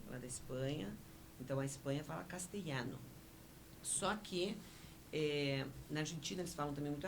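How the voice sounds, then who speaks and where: Radio guest, woman, native Spanish speaker, measured explainer, noticeable hiss on the line. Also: low-pitched, gravelly. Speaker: interview guest, honorary consul. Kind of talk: radio interview conversation.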